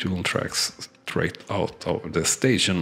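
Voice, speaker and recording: The man has a non-native accent. He talks extremely slowly. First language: not English. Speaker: gaming YouTuber. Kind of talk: let's play commentary. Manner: halting, many uh fillers; relaxed, gentle.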